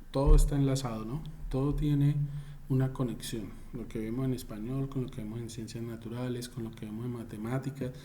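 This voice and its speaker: A man's voice: medium pitch, warm tone, a little hiss or hum. A man teaching an online class over a video call, repeating and restating his points and calling on students by name.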